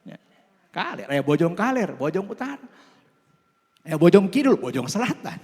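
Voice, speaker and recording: A man with a Sundanese accent preaching a Christmas sermon in a church, lively and playful, with jokes and laughter. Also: high-pitched, moderate pace, breathy edge. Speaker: pastor. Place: church hall. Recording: long hall reverb.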